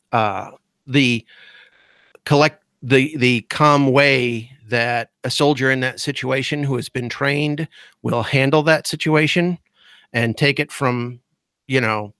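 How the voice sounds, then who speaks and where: A thoughtful guest host with a gravelly, fry-laden voice feels his way through a long compliment, filling gaps with ums. The sound is dry and close, with no room. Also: medium pitch, fairly bright tone, dry recording. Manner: thoughtful, rambling, many fillers. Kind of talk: casual podcast chat.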